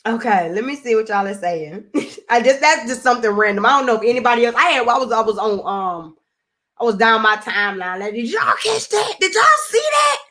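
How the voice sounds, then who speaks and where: A young woman with a Southern accent talks casually on her live stream and reads comments from her viewers. She laughs often and stretches her words out in a lively, drawling way. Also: fairly high pitch, fairly quick.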